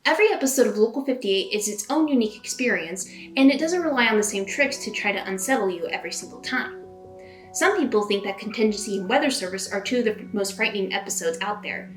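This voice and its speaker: A woman's voice: mid-range voice, expressive, quick pace. Woman narrating a video essay over prominent music. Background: background music.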